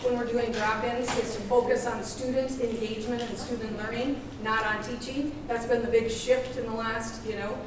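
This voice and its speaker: A woman's voice: a little high, level tone, moderate pace, hardly any pauses. Upbeat woman leading a school tour. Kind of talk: casual tour talk. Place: school hallways and classrooms. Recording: echoey school rooms from a distance with noise.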